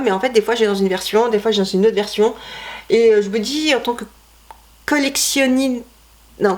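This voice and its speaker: A woman vlogger chatting casually about her CD collection, rambling and correcting herself with many fillers. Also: mid-range voice. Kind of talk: casual chat.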